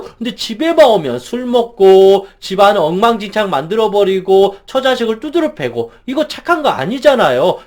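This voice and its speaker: A man lecturing as a counselor, talking emphatically and asking the listener rhetorical questions. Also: sits high. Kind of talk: motivational psychology lecture.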